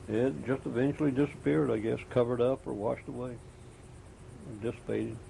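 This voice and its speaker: A man with an American accent speaks at a fairly quick pace in a medium pitch, his dark, mellow tone carrying vocal fry and lively intonation. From Outer Banks, North Carolina. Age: 70s. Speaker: commercial fisherman. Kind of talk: oral history interview.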